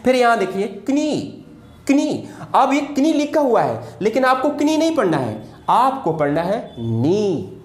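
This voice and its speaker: Man, grammar teacher, emphatic drilling, very animated pitch, roomy echo. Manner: emphatic, drills examples with sharp rises and drops; repeats words slowly for emphasis. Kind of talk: classroom-style video lesson.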